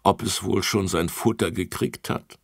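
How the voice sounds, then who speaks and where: A man's voice: sits low, fairly even intonation, a little slow, vocal fry, slightly rough, no echo, clean studio sound, voice pushed up, exaggerated voice. Man doing an eager little girl. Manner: eager, earnest. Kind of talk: children's audiobook reading.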